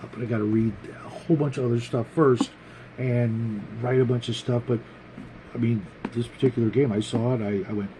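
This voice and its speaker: A man hosting a casual, unscripted vlog about tabletop gaming, talking to viewers in a rambling, halting, conversational way. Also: medium pitch, steady tone, background noise. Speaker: host of a tabletop gaming vlog, game master.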